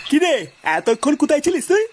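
A man's voice: extremely high pitch, expressive, fast, a little hiss or hum. A man voicing a grumbling, scolding old village grandfather in an amateur comedy cartoon. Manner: scolding, exasperated.

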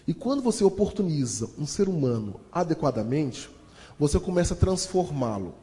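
Male motivational speaker, high, theatrical, comic storyteller, reverberant hall. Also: normal speed. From Brazil. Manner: animated, addresses audience as "gente", acts out voices. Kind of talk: comic storytelling talk to a live audience.

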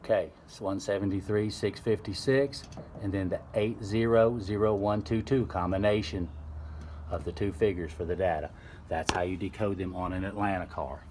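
A man with a fairly low voice narrates a methodical walkaround, explaining each detail plainly. It was recorded on a handheld phone in an old barn. A faint ambience sits behind him. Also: fairly even intonation, normal speed, darkish tone, slight background noise. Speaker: classic car appraiser and channel host. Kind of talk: walkaround narration while filming. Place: old open barn, indoors and out. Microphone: handheld phone camera.

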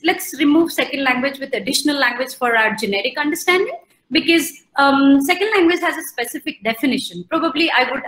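A woman's voice: sits high, fairly bright tone, reverberant, low-quality recording. A middle-aged woman from Odisha with an Indian English accent, giving an online lecture with many fillers and restarts as she poses questions to the class. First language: Odia. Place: indoor room. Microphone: video call.

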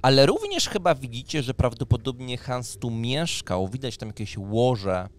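Male game master, mid-pitched, halting improvised storytelling with repeated words. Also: big pitch swings. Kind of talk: improvised narration of a tabletop role-playing game. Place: indoor streaming room. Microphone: microphone on boom arm, close, with headphones.

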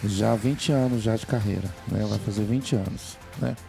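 A man's voice: fairly low pitch, moderate pace, vocal fry, over music. A middle-aged man from Minas Gerais, a guest singer answering in an easygoing way in a studio on a handheld mic. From Minas Gerais, Brazil. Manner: easygoing, agreeable. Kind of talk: casual TV interview. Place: TV studio set.

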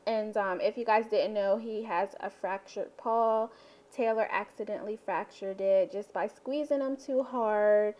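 In this casual family vlog filmed in a living room, a young woman who is a mother rambles along, full of ums. She speaks at a measured pace in a medium-pitched, slightly mellow voice.

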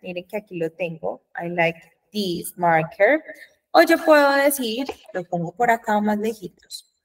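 The recording is rough and distant, capturing an animated woman with a medium-pitched voice and a Colombian Spanish accent. She is giving a class an English grammar lesson, pronouncing model sentences slowly and at length while frequently checking "¿Listo?"

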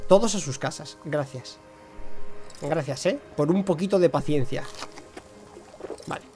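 Young guy streaming a game, high voice, talks at the bugs, faint music behind. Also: moderate pace. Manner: excitable, talks to himself and the creatures. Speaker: gaming streamer. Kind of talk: live gameplay commentary.

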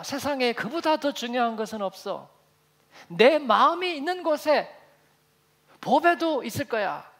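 A man's voice: very high voice, a bit bright. A male pastor preaching a sermon, telling a parable and acting out its characters. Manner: storytelling, acting out the figures of the parable. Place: church.

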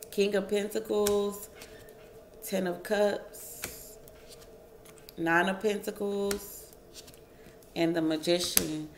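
Her voice is lowish and creaky as this woman chats through a relaxed tarot reading at her wooden table at home, talking to "y'all" and thinking out loud about every card. The sound is roomy, with a little hiss or hum.

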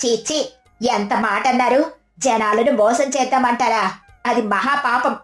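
A woman voicing a sharp-tongued village wife in a storybook tale, mocking and theatrical, with a greedy streak. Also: a little high, measured pace. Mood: mocking, scolding. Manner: scolding, sarcastic, theatrical. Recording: music behind the voice.

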